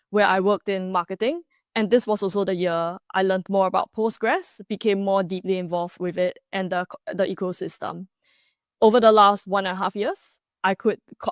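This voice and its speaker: A woman from Singapore gives a prepared conference talk in an enthusiastic, steady tone, stumbling now and then on a word. Her voice sits at a middle pitch. It is recorded close and dry, with no room sound. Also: no echo. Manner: enthusiastic, reads prepared remarks with small restarts. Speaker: conference speaker.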